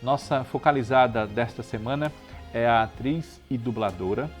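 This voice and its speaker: Faint music runs beneath this show host, whose mid-range voice moves at a moderate pace and carries a Brazilian Portuguese accent. Hosting a tribute show, he chats with viewers in a relaxed way, frequently adding tag questions that invite them to agree.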